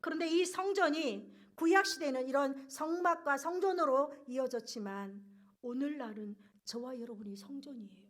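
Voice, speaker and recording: A woman preaching a sermon in earnest, rising loud on key phrases and dropping soft at the ends of sentences. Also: high-pitched, moderate pace.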